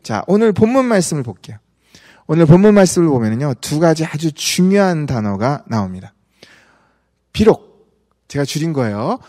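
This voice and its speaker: A man preaching a sermon as pastor, talking in an animated, conversational way and asking the congregation questions. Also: fairly high pitch, fairly quick. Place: church sanctuary. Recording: church sanctuary with long reverb.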